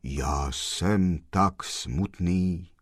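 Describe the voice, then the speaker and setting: A man voicing a gloomy, black-clad gentleman who speaks slowly in a hollow, sepulchral voice. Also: mid-range voice, big pitch swings, no echo, clean studio sound. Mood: mournful.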